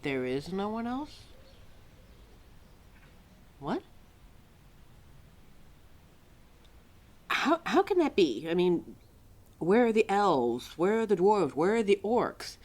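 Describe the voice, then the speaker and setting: Woman playing a slow, animated, scatterbrained immortal lore keeper. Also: mid-range voice. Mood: bewildered. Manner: flustered, hesitant, exclaiming, talking to a listener. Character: scatterbrained, centuries-old female keeper of forgotten lore. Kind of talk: ASMR-style roleplay audio drama.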